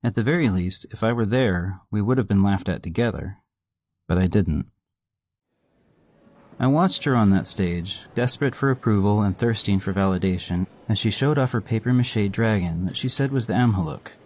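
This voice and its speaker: A man's voice: fairly low pitch, moderate pace, a little mellow. A man narrating a horror story in a somber, reflective tone. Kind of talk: scripted narration. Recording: narration over music.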